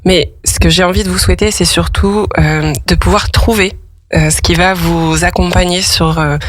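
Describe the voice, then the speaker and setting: A woman hosting a casual radio interview, pausing often as she searches for her words. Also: lowish voice, fairly even intonation, a bit bright, faint music behind. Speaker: radio host. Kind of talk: casual interview and chat on a parenting radio show.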